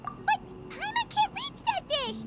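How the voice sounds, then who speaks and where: Squeaky, very high, childlike fairy companion. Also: female voice, sing-song, measured pace, noisy background, exaggerated voice. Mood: excited, greedy. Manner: refers to self in third person, exclamatory. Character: tiny floating girl companion, childish, greedy, excitable. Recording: game music behind the voice.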